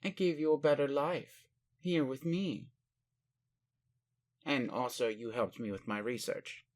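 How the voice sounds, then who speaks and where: This alien caretaker, played by a man, talks slowly at a middling pitch that stays close to an ordinary speaking voice. He comes across as defensive but caring, formal and hesitant, still puzzled by humans while asking the listener literal-minded, kindly questions.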